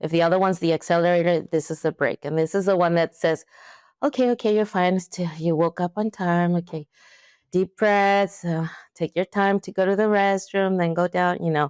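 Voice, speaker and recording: A woman at a moderate pace and fairly low pitch, with fairly even intonation and a Mexican accent. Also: dry, close sound with no echo, very clean recording, silent background. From Mexico. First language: Spanish. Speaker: trauma therapist. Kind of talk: interview. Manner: halting.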